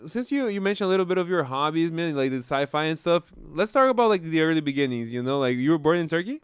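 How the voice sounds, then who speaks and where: Brazilian guy hosting a podcast, talks fast and kinda high, super eager, dry close sound. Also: expressive, smooth, no echo. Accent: Brazilian Portuguese. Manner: enthusiastic, rambling questions with many likes and restarts. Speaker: podcast host. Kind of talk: podcast interview.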